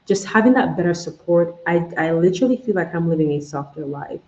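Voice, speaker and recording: A woman's voice: lowish voice, lively intonation, a little fast, darkish tone. A woman with a Jamaican accent hosting a live stream, rambling and correcting herself as she talks straight to her viewers. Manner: rambling, self-correcting, addresses viewers directly. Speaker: channel host doing a live Q&A. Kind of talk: casual live-stream chat. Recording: echoey room, slightly dull sound.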